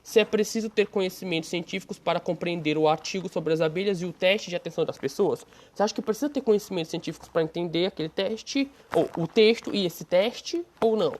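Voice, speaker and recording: A woman's voice: fairly low pitch, fast talker, hardly any pauses, darkish tone. A woman with a Brazilian Portuguese accent teaching an online language lesson, explaining step by step in a patient, friendly way.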